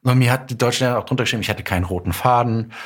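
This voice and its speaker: A man's voice: mid-range voice, racing, slightly rough. A man chatting casually and anecdotally as the guest author in an interview. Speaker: guest author of audio dramas and a novel. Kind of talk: casual podcast interview chat.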